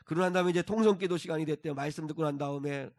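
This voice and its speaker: Korean-speaking pastor preaching with dynamic swings. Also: male voice, on the high side, racing. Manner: swings between soft asides and loud emphatic exhortation; leads congregation in reading scripture aloud. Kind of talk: sermon.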